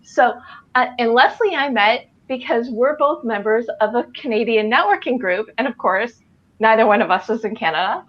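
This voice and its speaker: A woman's voice: on the high side, expressive, normal speed. Upbeat woman host, lo-fi sound. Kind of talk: hosting a live video chat.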